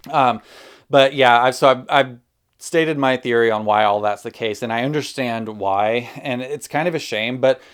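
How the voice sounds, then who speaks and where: A man speaks in an ordinary speaking voice at medium pitch, his intonation fairly even and his pace moderate. The recording is very clean, with a silent background. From US South. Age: 30s. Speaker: doll collector YouTuber. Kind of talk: casual unboxing vlog. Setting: bedroom.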